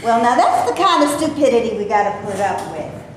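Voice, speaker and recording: A woman playing a sharp-tongued, scornful black actress in a staged reading before a live audience, in a very echoey room with faint noise. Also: on the high side, very animated, brisk.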